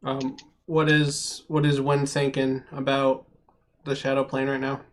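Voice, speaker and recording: A man's voice: medium pitch, completely flat delivery, a little slow. A man acting as game master in an online tabletop game, talking with many ums and restarts over a home voice-call mic. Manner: hesitant, filler-heavy narration.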